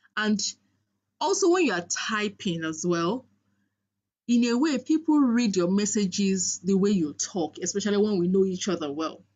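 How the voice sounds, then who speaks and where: A woman talks at a medium pitch with a somewhat breathy voice and lively intonation. Her pace is moderate, broken by long, frequent pauses. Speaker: public speaking coach. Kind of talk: workshop presentation. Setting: live-streamed online meeting.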